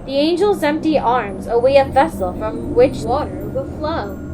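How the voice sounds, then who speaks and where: A woman voicing a curious female detective in a fairy-tale game fandub, musing aloud in a measured way. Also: high voice, animated, over music. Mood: pondering. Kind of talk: hobby fandub game narration. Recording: clearly noisy home recording.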